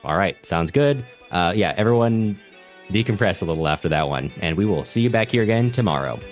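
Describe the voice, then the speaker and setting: A man's voice: sits low, lively intonation, brisk, soft background music. A man co-hosting a casual literary discussion, talking in an earnest, analytical way. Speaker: podcast co-host discussing literature.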